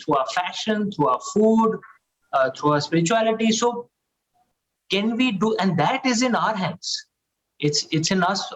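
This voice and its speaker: A man's voice: high voice, low-quality recording. A man from Uttar Pradesh with an Indian English accent, arguing earnestly on a panel discussion, with many hesitations and "right?" checks. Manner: earnest, persuasive, frequent "uh" and "right?". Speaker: panel guest.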